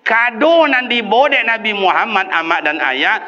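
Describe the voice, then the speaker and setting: A man with a Kampar Minang Malay accent preaching a lively sermon in a mosque, chanting lists and imitating sounds and calls. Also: high voice, moderate pace, dull audio. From Riau, Indonesia.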